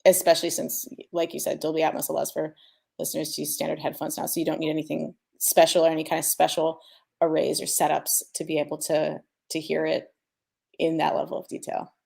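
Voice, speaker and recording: A woman with a fairly low voice and a heavy creak in it. She speaks casually and informally, like a sound designer on a panel who enjoys talking through the work. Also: monotone, brisk, a little mellow. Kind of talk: casual conference panel talk.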